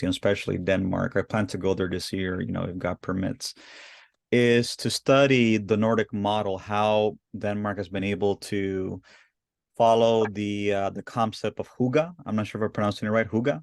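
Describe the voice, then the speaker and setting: Deep-voiced enthusiastic male podcast host. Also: creaky, dry recording, studio quality. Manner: enthusiastic, rambling with restarts. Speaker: host, founder of the organization. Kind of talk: casual interview.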